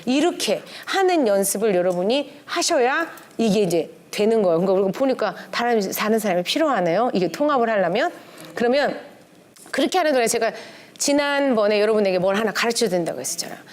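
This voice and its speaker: Speaking fast in a fairly high voice, this middle-aged woman, a pastor's wife, lectures a church class conversationally about family relationships. She keeps things lively by performing snippets of dialogue in changing tones.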